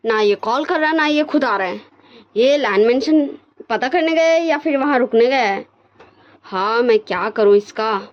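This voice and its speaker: A woman's voice: on the high side, lively intonation, moderate pace, natural voice. A woman voicing a worried young male college student who frets about his brother, in a lo-fi recording.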